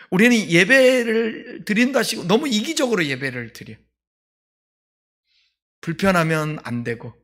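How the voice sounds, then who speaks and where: Preaching in a conversational style, a high-pitched male pastor asks his congregation questions. He alternates between loud, emphatic moments and quiet asides.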